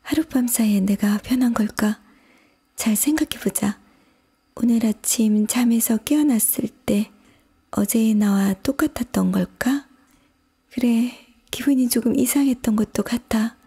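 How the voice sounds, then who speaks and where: Woman doing a bewildered little girl, whispered role-play: breathy, high, storybook audiobook. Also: measured pace, dark tone, exaggerated voice. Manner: bewildered, questioning herself aloud. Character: curious puzzled little girl, easily upset.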